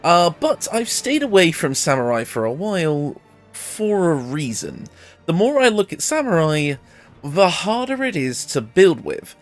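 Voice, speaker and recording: A man's voice: on the high side, sing-song, measured pace, soft background music. A man giving a casual, conversational video game guide commentary, explaining things informally, his voice a bit ill and recovering from being lost. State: ill, voice recovering after losing it. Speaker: gaming video creator presenting a character build guide.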